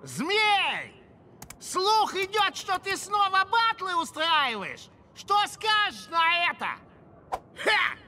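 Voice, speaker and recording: A bossy, challenging woman from a fairy-tale cartoon. She has a very high, bright voice with wide swings and drawn-out words. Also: wildly swooping pitch, heavily acted. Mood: confrontational. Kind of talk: animated cartoon voice acting.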